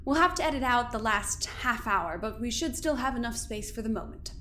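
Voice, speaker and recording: Audio drama scientist, female, acted: higher-pitched, icy, clipped, imperious, slight background hiss. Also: lively intonation, a little fast, bright, forceful tone. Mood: cold, impatient. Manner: clipped, formal, commanding.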